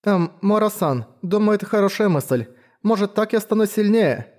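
A woman's voice: mid-range voice, lively intonation, moderate pace, a little mellow, pitched above the performer's own voice, natural voice. A man voicing a shy, timid young female apprentice warrior who hesitates and stammers.

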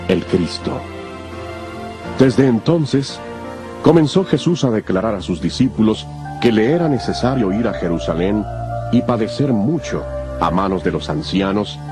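A man narrating scripture from a script in a solemn, measured manner. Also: on the low side.

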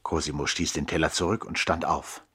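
An actor playing a man who looks back on his childhood with his brother, narrating a literary radio play in a measured, expressive way. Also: extremely low pitch, noisy background. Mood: wry reminiscence. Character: reflective adult brother recounting childhood memories.

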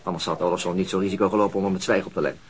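A man's voice: low-pitched, fairly even intonation, racing, slightly rough. An actor playing a weary, wry police inspector and father in a radio drama, dry and mildly grumbling. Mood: businesslike. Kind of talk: naturalistic Dutch radio drama acting.

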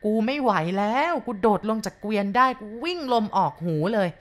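Lady doing a rough guy bragging about a ghost, coarse and blunt, storybook style. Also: a little high, expressive, a little fast, lightly acted. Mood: blunt boastful. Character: rough young man boasting of a ghost encounter.

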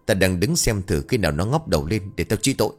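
A man doing a gruff bullying shrimp farmer. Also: deep voice, very animated, quick pace, a little mellow, faint music behind, heavily acted. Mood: contemptuous. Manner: gruff, bullying, barking threats. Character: harsh cold older male shrimp-farm owner.

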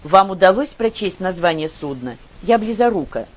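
A woman's voice: on the low side, expressive, normal speed. Woman reading as a curious, kindly young woman. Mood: eager. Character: friendly, curious young woman, trusting and kind.

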